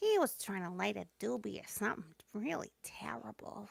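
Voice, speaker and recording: A put-on character voice at a middle pitch is delivered at a moderate pace. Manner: entitled, complaining.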